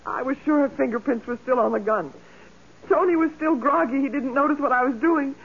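A woman's voice: high-pitched, a little fast. An actress playing a desperate, jilted young woman who has killed, melodramatic and defiant with sobs close by, in 1940s radio crime drama style. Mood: tearful confession. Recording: muffled, phone-like 1940s radio recording.

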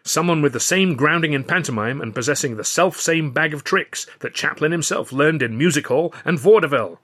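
A man's voice: a little high, brisk, fairly bright tone, voice pushed up. A man voicing a showy male film studio boss making a grand announcement in an audiobook. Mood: grand announcing. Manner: announcing, salesman-like build-up. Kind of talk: audiobook character voice.

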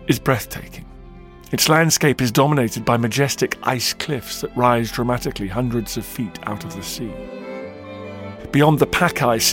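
A man narrating a history podcast as its host, in an emphatic, dramatic storytelling delivery. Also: mid-range voice. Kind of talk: scripted documentary narration. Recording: narration over loud music.

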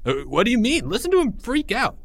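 A man voicing a gleeful, mocking schoolboy in a storybook, excitable and jeering. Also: high voice, normal speed, breathy edge, dry recording, clean studio sound, pitched above the performer's own voice, full character voice.

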